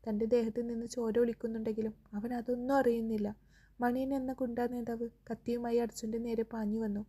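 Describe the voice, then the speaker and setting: A woman narrating an audio romance novel in a steady storytelling manner. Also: fairly high pitch, a little fast, breathy edge. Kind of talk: scripted narration.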